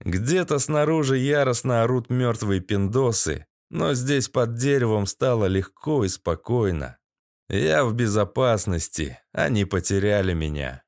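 A man's voice: medium pitch, animated, unhurried, dry recording, studio quality. A man reading a first-person audiobook in a gritty, sardonic storytelling manner. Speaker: audiobook narrator.

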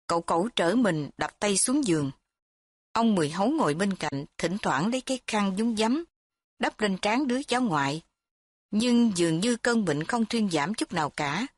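A woman reads a dramatic tale aloud in a steady, mid-pitched voice. The recording is dry and close, with no room sound. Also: dry recording. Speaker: narrator. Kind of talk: storytelling narration.

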